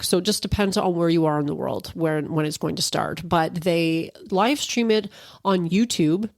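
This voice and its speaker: A woman in her forties talks through her solo podcast in a loose, rambling way, with plenty of fillers and restarts. Her voice sits a bit low and sounds faintly stuffed up from allergies. The recording is close and dry, with no room sound. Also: vocal fry, no room sound. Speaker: podcast host. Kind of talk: casual solo podcast chat.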